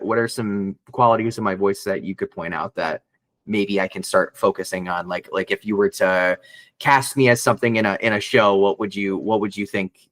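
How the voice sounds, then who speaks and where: A man's voice: fairly bright tone, no room sound. A man who is a voice actor, talking casually in an interview, rambling with many restarts and fillers. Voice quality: some bass in the voice. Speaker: voice actor guest.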